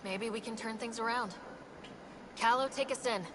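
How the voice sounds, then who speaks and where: A woman's voice: fairly high pitch, moderate pace, close to an everyday voice. An actress playing a resolute young woman who leads a space expedition in a video game. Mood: earnest, determined. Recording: noisy game audio, quiet and distant.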